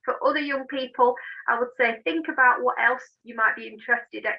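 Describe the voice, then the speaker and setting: A woman's voice: fairly high pitch, steady tone, brisk, creaky, lo-fi sound. A woman being interviewed as an engineer, explaining and giving advice in an emphatic, encouraging, informal way. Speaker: interview guest, engineer and managing director.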